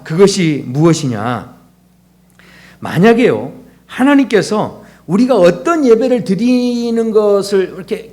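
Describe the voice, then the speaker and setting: A man's voice: high voice, darkish tone. A male pastor delivering a conversational sermon, asking rhetorical questions and acting out quoted dialogue.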